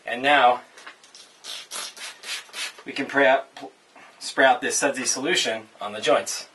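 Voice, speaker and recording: A young man talks through his plumbing work in a relaxed, step-by-step way, his pitch sitting in the middle range. It is picked up on a camera mic inside a building under construction, with a faint hiss and clicks behind him. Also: slow pace. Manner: relaxed, explains step by step with fillers. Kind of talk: casual how-to narration. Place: indoors in a tire-walled building under construction.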